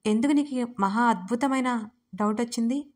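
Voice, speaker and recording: A woman voicing a stern, impatient young husband who scolds gruffly in a recorded audio story. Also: on the high side, normal speed, close to an everyday voice. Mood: stern scolding.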